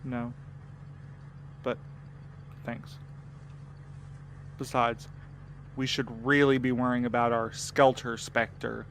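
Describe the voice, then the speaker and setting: A man's voice: medium pitch, level tone, takes it slowly, pauses often, fairly bright tone, slight background noise. A man playing a weary, protective and dryly sardonic character in a naturalistic audio drama. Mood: weary, worried.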